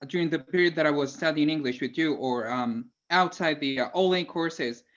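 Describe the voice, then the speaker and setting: A man's voice: fairly high pitch, moderate pace, a bit bright. A man with an Algerian accent co-hosting a live lesson, friendly and hesitant with many fillers. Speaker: co-host. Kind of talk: casual co-host chat on a live lesson. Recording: dull lo-fi call audio.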